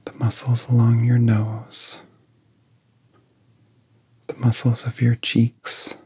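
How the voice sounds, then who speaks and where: A man guiding a relaxation in soft-spoken ASMR style, with a soft, whispery voice and gentle, soothing phrasing broken by long pauses. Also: medium pitch, monotone, no room sound. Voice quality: soft, breathy, often whispery. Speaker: ASMR hypnosis guide.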